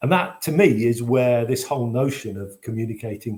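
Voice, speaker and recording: Somewhat breathy, a man speaks at a moderate pace in a medium pitch with ordinary pitch variation. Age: 60s. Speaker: writer and poet. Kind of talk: interview. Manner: halting.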